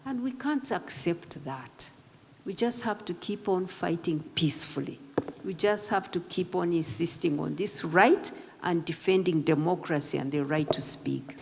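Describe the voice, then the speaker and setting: A woman's voice: fairly low pitch, measured pace, vocal fry, a little mellow, slight background noise. A woman with an African accent giving a public talk, explaining emphatically and repeating phrases for stress. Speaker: panel speaker. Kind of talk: public talk answering an audience question. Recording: reverberant hall.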